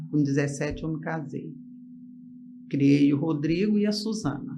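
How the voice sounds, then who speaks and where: Lively intonation at a fairly slow pace carries through audible room echo and noticeable background noise. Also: woman, very deep, low pitch for a woman. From Brazil, Goiás (Rio Verde, Goiânia). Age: 60s. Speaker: podcast guest. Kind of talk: personal testimony in interview. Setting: studio.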